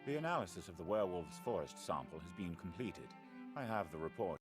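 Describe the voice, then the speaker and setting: A formal, dutiful royal attendant from an anime dub. His voice is deep with lively inflection, and clear music plays behind him. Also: fairly quick. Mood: formal, matter-of-fact.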